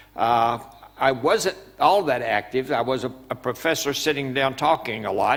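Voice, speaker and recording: Noticeable noise fills the background. Over it, a man speaks at a moderate pace. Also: medium pitch for a man, ordinary pitch variation. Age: 80s+. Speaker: professor and conference speaker. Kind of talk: conference talk. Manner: halting, many fillers and repetitions.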